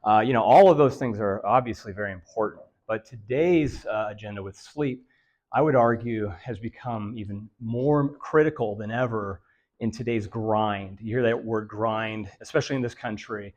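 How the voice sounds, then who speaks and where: A man presenting a health lecture to seniors in a meeting room, his voice raspy and nasal and a bit dry from allergies, talking in a monotone with many fillers. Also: lowish voice, moderate pace. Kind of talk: live lecture to a senior audience.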